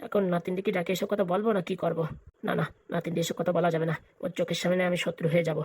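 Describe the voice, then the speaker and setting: Woman playing a fast, blunt old village grandpa. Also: fairly low pitch, steady tone, darkish tone, lightly acted. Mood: suspicious, plotting. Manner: scolding, blunt, colloquial. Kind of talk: comic cartoon dialogue.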